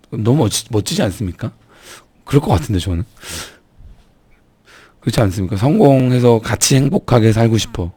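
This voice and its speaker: A man's voice: lowish voice, warm tone, dry recording. A man with a strained, sore throat speaking earnestly and emphatically to viewers in a motivational vlog, urging them on as an online business YouTuber.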